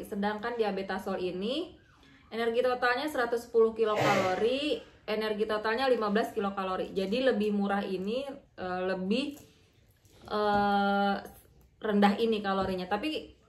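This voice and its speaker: A young woman giving a casual, chatty review of diet foods, with frequent fillers and self-corrections, filmed on a camera across a table indoors. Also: mid-range voice. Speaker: vlogger reviewing diet products. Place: indoor room. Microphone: fixed camera at table distance. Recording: echoey room, faint noise.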